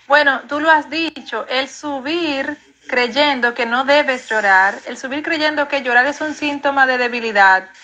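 A woman therapist answers interview questions about grief, explaining calmly and reassuringly. Her voice is high and bright, and she sets out her points in a steady, explanatory way.

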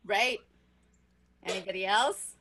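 A middle-aged woman leading a teacher workshop over a video call, chatty and unhurried, often laughing and asking okay. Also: medium pitch, fairly bright tone, breathy edge. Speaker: music workshop leader for teachers.

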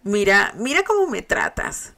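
A woman's voice: fairly low pitch, normal speed, fairly bright tone. Terry: tender teasing young man, read by a woman, storybook reading.

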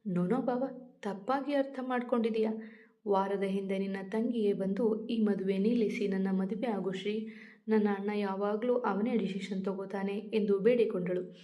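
Smirking young groom, voiced by a woman narrator: smooth talker, persuasive, mellow and even. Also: medium pitch, normal speed, close to an everyday voice. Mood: smug. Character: smug scheming young groom.

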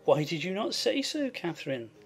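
A woman voicing a fastidious, peevish, disdainful young husband in a reading of a classic novel. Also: lowish voice, sing-song, husky, faint music behind, pitched below the performer's own voice, exaggerated voice. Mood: surprised disdain.

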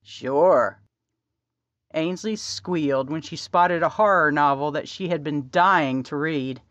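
A woman narrating a romance audiobook in a measured, even storytelling manner. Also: low voice, no room sound, lo-fi sound. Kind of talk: scripted narration.

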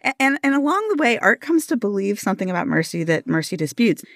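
A woman's voice: medium pitch, sing-song, fast talker, dry recording, studio quality. Attentive woman interviewing on radio. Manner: attentive, with brief affirmations and laughs. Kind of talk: interview and scripted narration.

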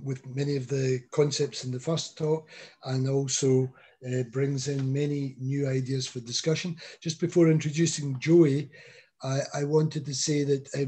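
A middle-aged man chairs an online panel in a husky, mellow voice. He introduces the next speaker politely and steadily, with plenty of fillers, through a headset mic on a video call. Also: mid-range voice. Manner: polite, measured, with many fillers. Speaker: chair of a roundtable.

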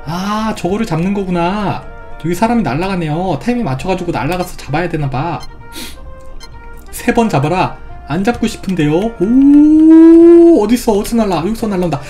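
A woman's voice: lowish voice, expressive, brisk, darkish tone, faint music behind. A woman commenting playfully on a game she is playing, with exclamations and silly sound effects. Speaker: gaming YouTuber. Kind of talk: game let's play commentary.

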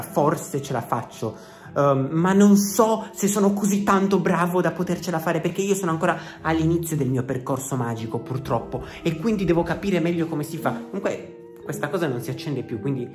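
A young man vlogging at home, talking excitably and jumpily straight to his viewers in an acted comedy vlog. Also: a little high, normal speed, faint music behind. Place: home, indoors.

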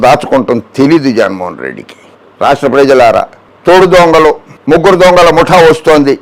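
A man's voice: on the high side, rough recording. A man giving heated political commentary, sarcastic and scolding as he speaks straight at his opponent.

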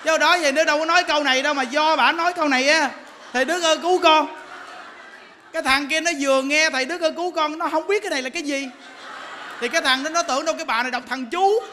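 A male Buddhist monk delivers a sermon full of jokes and stories, often laughing mid-sentence. His voice sits very high and rings bright and forceful. It carries a long reverb from a temple hall. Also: steady tone, racing, a little hiss or hum. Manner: humorous storytelling, laughs while talking. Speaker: Buddhist monk giving a Dharma talk.

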